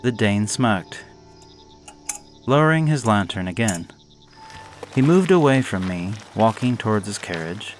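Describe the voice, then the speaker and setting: Male storyteller for a gothic horror reading: unhurried, melodic delivery over a soft music bed. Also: lowish voice. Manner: slow, measured, expressive reading. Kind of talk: scripted horror story narration.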